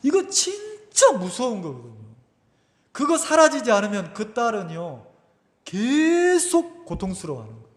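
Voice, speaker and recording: A male pastor preaching a sermon, animated, often asking the congregation questions. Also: high-pitched, measured pace. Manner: animated, asks the congregation questions, acts out quotes. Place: church sanctuary. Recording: reverberant church hall.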